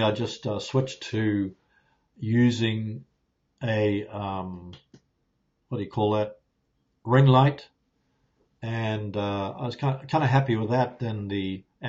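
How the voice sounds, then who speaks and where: A YouTuber from New Zealand, his voice fairly low, loosely answers viewer questions in a casual live Q&A with a relaxed, rambling style and plenty of ums and restarts. A clip-on lapel mic on a phone picks him up in his home studio, where a ring light, softboxes and plants sit, and the audio comes out dull.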